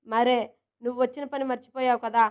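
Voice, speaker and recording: A woman voicing a playful, headstrong young woman who works in an office, talking in a quick, cheeky way. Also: on the high side, flat delivery, smooth, close to an everyday voice.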